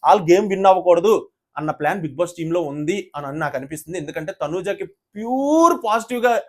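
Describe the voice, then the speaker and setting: A man's voice: high voice, animated, a little fast, darkish tone. A man ranting indignantly in an opinionated video review, often addressing the viewers as "brother". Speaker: YouTube reviewer of a reality show.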